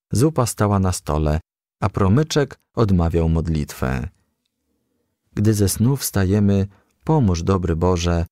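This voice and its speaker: A man narrates a children's storybook in a low, slightly creaky voice. He takes his time, yet his pitch moves widely and expressively from phrase to phrase. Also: a little mellow, no echo, clean studio sound. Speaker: audiobook reader.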